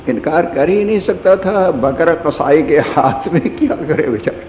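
A man's voice: fairly high pitch, expressive. Man, sermon storytelling, humorous anecdote, dull lo-fi sound, faint hiss. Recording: echoey hall, dull lo-fi sound.

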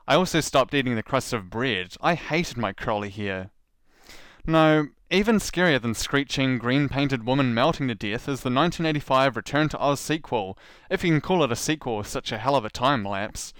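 Sarcastic New Zealand man, smooth voice. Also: mid-range voice, no echo, studio quality. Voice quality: sarcastic, animated storyteller. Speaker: podcast host. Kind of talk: sarcastic commentary.

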